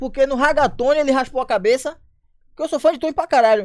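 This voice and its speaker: Very fast and extremely high-pitched, a man's voice moves with ordinary pitch variation. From Salvador, Bahia, Brazil. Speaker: comedian. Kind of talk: casual chat.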